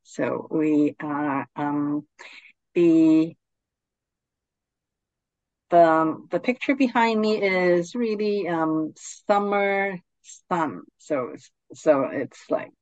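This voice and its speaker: A woman leading a guided meditation, speaking in a calm, soothing, gently instructing manner. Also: sits low, extremely slow, no room sound, highs cut off.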